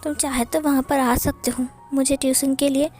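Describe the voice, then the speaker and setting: A bashful young college boy who trips over his words and keeps correcting himself, as a woman reads him out. He comes across as flustered and eager, with a high voice. It is read as an amateur fan-fiction story. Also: little pitch movement, moderate pace, a little mellow, faint music behind, natural voice. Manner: stammering, flustered. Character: shy flustered young male college student.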